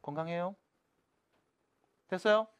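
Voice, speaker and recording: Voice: mid-range voice, heavy background noise. A math teacher giving a classroom lecture, switching between casual and polite speech and constantly asking the students whether they follow. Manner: checks in constantly with quick casual questions.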